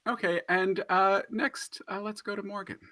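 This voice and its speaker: A man's voice: high-pitched, steady tone, moderate pace, bright, forceful tone, dry recording. A man moderating a panel discussion, introducing guests and choosing his words carefully with some hesitation.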